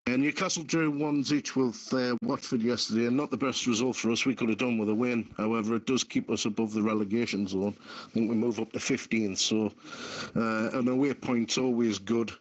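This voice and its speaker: A man's voice: medium pitch, steady tone, fairly quick. Man giving football chat, muffled line. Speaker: sports contributor. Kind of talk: casual football update. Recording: dull lo-fi voice chat.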